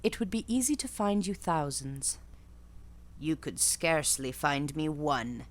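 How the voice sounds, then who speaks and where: Harsh old gypsy fortune-teller, voiced by a woman, low and deliberate, storybook crone. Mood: oracular. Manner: slow, low, emphatic pronouncements.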